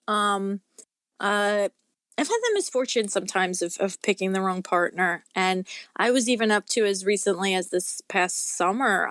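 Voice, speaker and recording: A woman's voice: mid-range voice, a bit bright, dry recording. A woman talking in a casual interview as a guest author, earnest and rambling, peppering her speech with little filler phrases. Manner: talkative, rambling, earnest, often says "you know" and "like".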